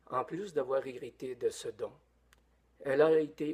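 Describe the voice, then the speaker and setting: In a Quebec accent, a man speaks at a very slow pace. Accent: Québécois French. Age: 60s. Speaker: testimonial giver. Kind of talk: testimony, reading a written tribute. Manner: halting.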